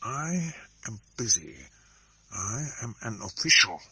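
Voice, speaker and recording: A man reading aloud, voicing a furtive, vexed Englishman who speaks abruptly in a low, hushed tone. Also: sing-song, takes it slowly, husky, dry recording, exaggerated voice. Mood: curt. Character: furtive, vexed Englishman, cold spy brother.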